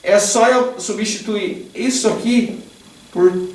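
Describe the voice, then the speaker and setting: A man's voice: high voice, slow pace. Brazilian man teaching, echoey far-off sound. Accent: Brazilian Portuguese. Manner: patient and chatty, asks the class questions and tags sentences with a questioning "né?"; corrects himself mid-sentence while writing on the board. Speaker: Japanese teacher. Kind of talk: explaining grammar in an informal online class. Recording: echoey room, voice away from the mic, faint background hum.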